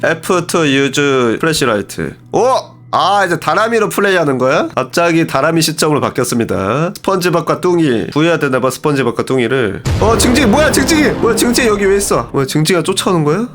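A young man commentating a horror game, excitable and often shouting and laughing. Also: a little high, brisk, few pauses. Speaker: gaming streamer.

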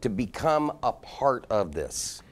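A man's voice: medium pitch, very animated, slow. An older man hosting a TV studio interview, asking questions in a hesitant way, repeating words as he goes. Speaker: TV show host. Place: TV studio set. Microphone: lapel mic.

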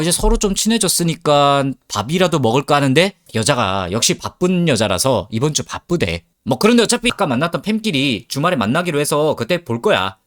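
Lively man telling a dating story. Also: fairly high pitch. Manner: animated, acts out both sides with crude slang. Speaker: storyteller host.

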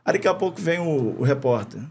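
A middle-aged man from Rio de Janeiro with a Carioca accent, telling animated anecdotes full of slang, swearing and laughter as a podcast guest. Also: a little high, fast, slightly rough. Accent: Carioca Portuguese. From Rio de Janeiro, Brazil. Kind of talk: casual chat, storytelling. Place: podcast studio.

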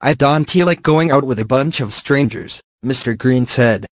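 Flat-voiced male news reader, dry sound. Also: medium pitch, moderate pace, no echo. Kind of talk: read-aloud news article.

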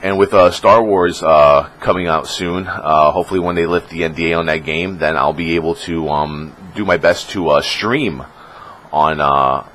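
A man's voice: moderate pace, fairly bright tone, a little hiss or hum, low-quality recording. A young man talking casually on his vlog as a streamer, rambling with lots of fillers and swearing. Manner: rambling, filler-heavy, swears and mocks trolls in squeaky voices.

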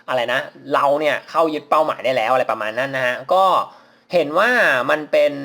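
A man's voice: mid-range voice, a bit bright. A man casually commentating as he plays a mobile game, polite and chatty, laughing at his own mistakes. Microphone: phone mic while playing on a phone.

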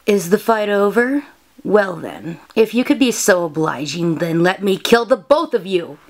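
A woman's voice: medium pitch, animated, measured pace. A woman voicing an imperious, coldly menacing mother queen with controlled, theatrical delivery, as an anime villain. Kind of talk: dramatic anime villain voice demo.

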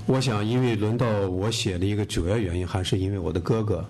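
A man, the author, answering questions in a measured, reflective way at a bookshop event, speaking into a table mic. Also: on the low side, a little mellow, slight background noise.

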